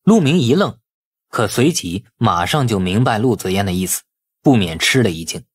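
Husky man narrating an audiobook with lively pitch. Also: normal speed, no echo, clean studio sound. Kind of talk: dramatic scripted narration of a novel.

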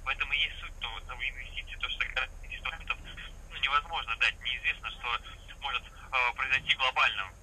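A man giving a formal, patient phone sales pitch as an investment salesman, heard through a phone speaker in a vehicle. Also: fairly even intonation, fast talker, bright, forceful tone, a little hiss or hum, poor audio. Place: phone speaker inside a parked vehicle cab.

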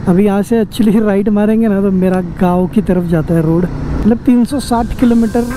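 A man's voice: high-pitched, steady tone, normal speed. A man chatting casually and exclaiming to viewers as a motorcycle travel vlogger, mixing in English words. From western India. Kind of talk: casual chat to viewers while riding. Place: outdoors on a moving motorcycle. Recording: loud wind and road noise.

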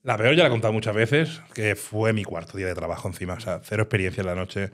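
A man with an animated storytelling manner, recounting his time as a nightclub bouncer in a casual interview. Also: lowish voice, fast talker. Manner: animated storyteller, acts out quoted dialogue.

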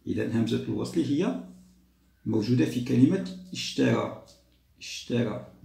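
A man, teaching a grammar lesson to young children patiently, repeating and drawing out words slowly. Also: medium pitch, lively intonation, gravelly, mellow. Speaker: primary school teacher. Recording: roomy echo.

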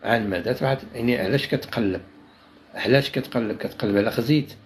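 A man with a Moroccan Arabic accent teaching a live online Italian lesson. He repeats each word several times and drills phrases very slowly, and he is unwell and coughing. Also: medium pitch, a little hiss or hum.

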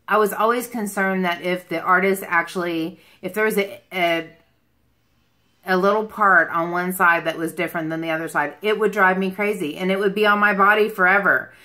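Speaking from a small furnished room in her home, a beauty livestream host of about forty-six answers viewer questions in a relaxed chat. Her voice is slightly low, with a clear, bright edge. She rambles loosely, hopping from topic to topic.

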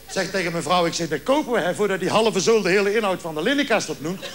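A man's voice: high-pitched, fast. A man telling long jokes on a television show, acting out the dialogue as he goes. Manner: lively storyteller acting out dialogue. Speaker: joke teller. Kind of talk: stand-up joke telling.

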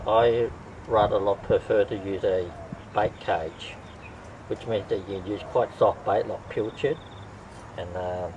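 Middle-aged guy showing how to rig a crab net, low voice, kinda far from the camera mic, street noise behind. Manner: plain step-by-step explaining while working with his hands. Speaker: fishing tutorial host. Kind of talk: how-to demonstration. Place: outdoor driveway beside a boat trailer. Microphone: camera mic a few feet away.

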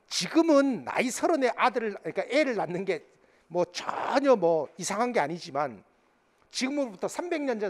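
Lively, high-voiced male history lecturer. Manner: lively, emphatic, asks rhetorical questions and answers them. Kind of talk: exam-prep classroom lecture. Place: lecture studio in front of a green board. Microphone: handheld microphone.

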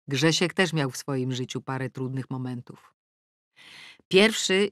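A woman narrating an audiobook in the first person with a wry, ironic delivery and lively pitch swings, close to the mic. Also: no echo. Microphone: close studio mic.

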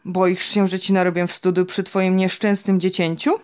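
A woman's voice: fairly low pitch, flat delivery, moderate pace, a little mellow, lightly acted. A woman voicing a mocking, pompous neighbor man in a storybook reading, with a sneering, grandiloquent manner. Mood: taunting.

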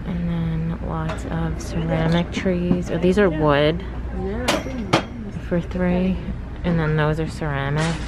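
A woman speaks slowly and a little low, filming a shop-with-me video on a handheld phone inside a large store. She calmly lists the items and their prices. Steady store ambience sits clearly behind her. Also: very noisy. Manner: unhurried, listing items and prices. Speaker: lifestyle vlogger. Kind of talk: casual shop-with-me narration. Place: large retail store, indoors. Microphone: handheld phone camera.

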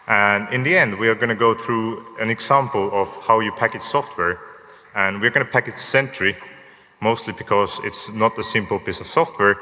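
At a conference lectern, a Finnish man with a fairly low, bright, forward voice explains software in a relaxed manner, dropping the occasional dry joke and asking the audience for shows of hands. The microphone captures the long reverb of a large hall during this technical talk.

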